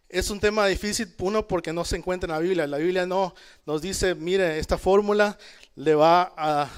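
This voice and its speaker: Man preaching with a smooth, higher voice. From El Salvador. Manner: conversational, calls out amen and checks in with listeners. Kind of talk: church Bible study teaching. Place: church in Canada.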